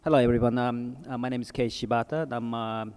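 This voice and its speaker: A middle-aged man from Japan with a Japanese accent, introducing himself as a panelist in halting, informal English. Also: medium pitch, fairly even intonation, darkish tone, clear, resonant tone. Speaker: panelist, travel company entrepreneur.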